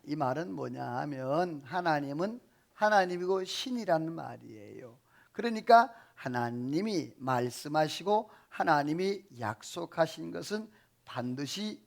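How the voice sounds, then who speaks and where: A man's voice: a little high, creaky. A senior pastor preaching a sermon, quizzing his congregation with questions they answer back. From South Korea.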